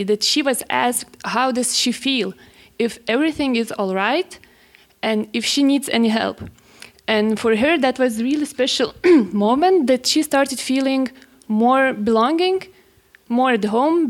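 A woman interviewer asking a long question in a hesitant way, with many fillers. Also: a little high. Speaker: podcast interviewer. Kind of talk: conversational question.

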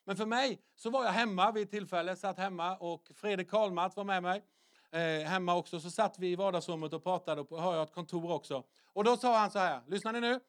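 A middle-aged man preaches in a loose, chatty way, repeating and restarting his phrases. His voice sits a little high for a man, and he sinks it to a quiet near-whisper when he wants a point to land. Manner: conversational, repetitive restarts, drops to soft near-whisper for emphasis. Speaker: pastor. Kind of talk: sermon.

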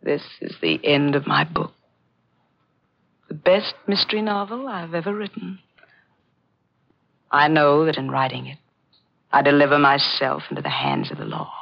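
A man playing an anguished confessed murderer in halting, melodramatic 1940s radio drama acting. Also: a little high, very animated, gravelly, exaggerated voice. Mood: haunted resignation. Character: anguished confessed murderer, a doomed mystery novelist. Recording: dull old radio recording, music behind.

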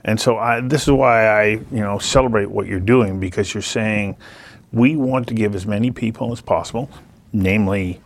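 A man with a somewhat low voice hosts a conversation show. He talks in long, earnest, reflective sentences and takes his time making his point. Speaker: interview show host. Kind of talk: scripted intro then conversational interview.

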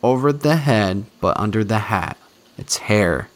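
A man's voice: on the low side, animated, measured pace. Man reading as a frightened defiant girl. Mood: quiet. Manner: tearful, sharp.

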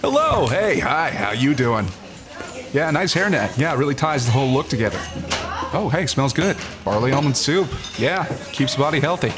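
An actor playing a wisecracking, cocky adventurer in an audio drama, glib and bantering. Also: male voice, medium pitch, big pitch swings, moderate pace, close to an everyday voice. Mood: joking. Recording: music under the voice.

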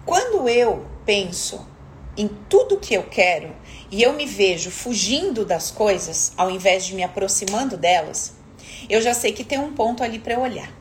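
A woman's voice: mid-range voice, animated, moderate pace, slight background noise. A woman coach giving a motivational live talk, emphatic and questioning her listeners directly.

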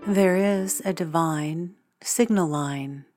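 A woman narrating a guided meditation as its guide, speaking in measured, deliberate phrases with long pauses. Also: fairly low pitch, over music.

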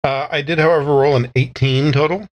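A man's voice: fairly high pitch, steady tone, a little fast, lo-fi sound. A man playing a tabletop game, talking casually about his moves.

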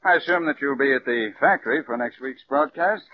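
An actor playing a courteous, deferential company president in 1940s radio style. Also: male voice, medium pitch, brisk, lightly acted. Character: polite, fawning male company president. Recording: dull old radio broadcast, faint hiss.

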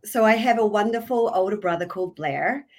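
A woman in her forties from New Zealand with a New Zealand accent, a podcast guest chatting casually, quick to poke fun at herself and laugh. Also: medium pitch, animated. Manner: chatty and self-deprecating, laughs often. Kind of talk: casual interview chat.

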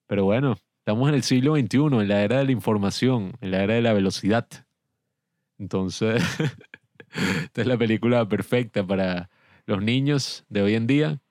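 A man's voice: on the low side, moderate pace, a little mellow, no room sound, studio quality. A man co-hosting a casual film review podcast, rambling and joking as he talks. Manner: rambling, joking, laughs often. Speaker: podcast co-host.

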